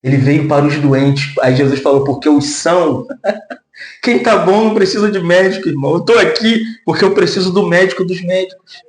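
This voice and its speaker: A man preaching a lively sermon, acting out quoted voices and laughing often. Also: moderate pace, roomy sound. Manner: says of himself he speaks in a deep, gruff way. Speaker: pastor.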